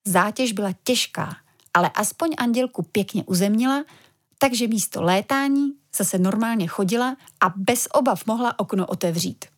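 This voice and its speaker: A woman narrating a children's audiobook story in a calm, expressive way. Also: medium pitch.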